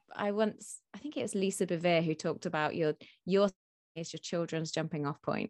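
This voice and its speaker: Against a quiet background, a woman with a British accent talks at a fairly quick pace in a fairly low pitch with ordinary pitch variation. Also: dry, close sound with no echo. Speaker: author and charity founder. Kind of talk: casual interview chat.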